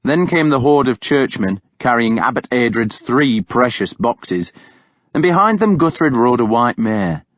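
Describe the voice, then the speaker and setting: Slow, dramatic male audiobook narrator. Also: mid-range voice, expressive, no room sound, dull audio. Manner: dramatic, deliberate reading. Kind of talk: scripted first-person novel narration.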